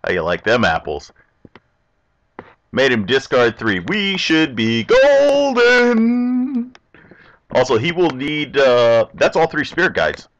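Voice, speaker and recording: A man's voice: medium pitch, a little slow. A young man casually commentating his online card game, chatty and talking to his opponent. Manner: chatty, animated, talks to himself and the opponent. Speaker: gameplay commentator. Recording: dull lo-fi recording.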